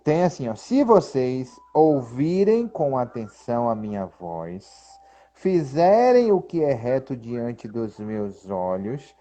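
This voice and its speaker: A man in casual talk about the Bible, animatedly reading scripture aloud slowly and with emphasis. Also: mid-range voice, sing-song, dark tone. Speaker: co-host. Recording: dull lo-fi sound.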